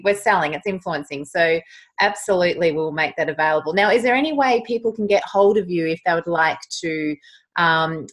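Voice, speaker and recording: A woman hosting a podcast interview and asking encouraging, wordy questions. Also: fairly low pitch. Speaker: podcast host.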